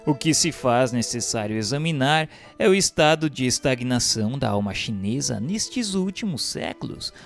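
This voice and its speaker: A man delivers a formal, scripted spiritual narration over music. His mid-pitched voice moves expressively up and down, with a solemn, measured, oratorical delivery. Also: expressive, creaky.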